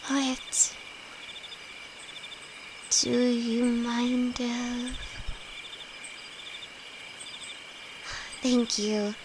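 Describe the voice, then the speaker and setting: A woman's voice: a little high, background noise. A woman playing a timid young apprentice alchemist in an intimate audio roleplay, with nervous, hesitant, stammering delivery and frequent sighs. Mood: shy, relieved. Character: timid young female apprentice alchemist, easily frightened, sweet best friend. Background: crickets and night forest sounds.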